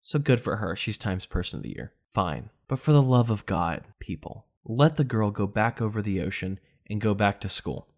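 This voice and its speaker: Young guy doing a solo podcast rant, sarcastic and punchy, kinda low voice. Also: expressive, moderate pace, few pauses. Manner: sarcastic, ranting, emphatic. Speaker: podcast host. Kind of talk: solo political commentary podcast.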